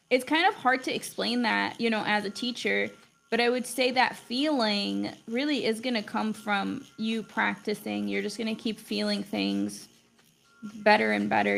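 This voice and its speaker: Chatty young woman with vocal fry. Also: medium pitch. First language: not English. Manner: chatty, rambling, heavy use of "like". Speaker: art teacher streaming live. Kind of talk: casual livestream chat while drawing.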